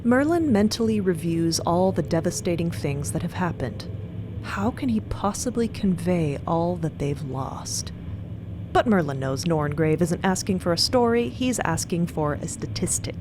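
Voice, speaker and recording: A woman's voice: on the low side, animated, normal speed, background noise. A woman delivering dramatic scripted narration for an audio fiction story.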